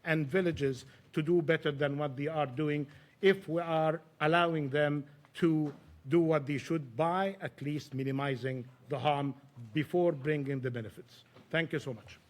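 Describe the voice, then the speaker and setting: A man finishes his remarks on a panel in a measured, formal way, naming his points one by one. His voice sits somewhat higher than most men's. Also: fairly even intonation.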